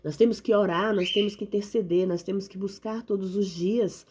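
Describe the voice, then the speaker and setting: Lady preaching with a cold, hoarse, mellow tone, keeps saying "right?". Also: medium pitch, fairly even intonation, moderate pace. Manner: earnest, repetitive exhortation with tag questions. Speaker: lay preacher. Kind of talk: informal devotional talk and Bible reading.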